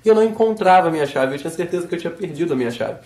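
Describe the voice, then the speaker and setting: A man with a Rio de Janeiro Brazilian accent, a little hoarse from a sore throat, chatting informally and emphatically like a vlogger. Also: a little high, expressive, racing, a little mellow, echoey room. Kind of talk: casual monologue to camera.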